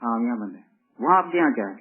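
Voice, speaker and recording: A man's voice: mid-range voice, animated, very fast, slightly rough. A man on an informal recorded phone call, stalling and evasive as he talks. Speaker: caller arranging a payment. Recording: tinny, muffled phone line.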